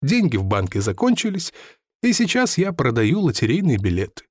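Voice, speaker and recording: A pompous, stiffly polite older lottery seller, as a male reader puts him on, his voice lifted well above the reader's own and swinging up and down with lively emphasis. He sounds touchy and talkative. The recording is close and dry. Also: mid-range voice, moderate pace, breathy edge, dry recording, pitched above the performer's own voice. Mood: rueful. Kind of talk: audiobook character reading.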